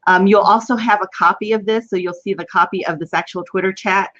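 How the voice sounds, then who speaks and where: A woman with a West Texas twang and drawl hosts a casual online chat in a chatty, upbeat way. Her pitch is middling, and the sound is a dull, lo-fi web call. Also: steady tone, fairly quick, fairly bright tone. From West Texas, United States. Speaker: host of an online video chat. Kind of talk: casual live-stream hosting.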